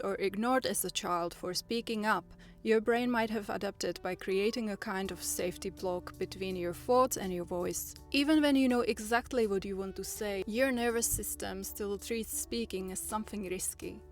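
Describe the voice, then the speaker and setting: Czech woman talking in english w/ her accent, earnest n encouraging, faint music under it. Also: mid-range voice. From Czech Republic. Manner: earnest and encouraging, with measured phrasing. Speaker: vlogger. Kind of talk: personal, reflective vlog talk.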